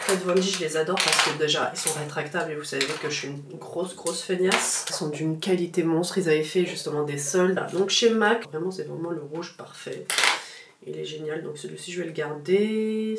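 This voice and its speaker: A woman vlogger chatting casually as she sorts through her makeup, relaxed and slangy with lots of fillers. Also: low voice, normal speed, far from the mic. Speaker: beauty vlogger. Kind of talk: casual chat while sorting makeup. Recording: echoey room, voice off-mic, faint background noise.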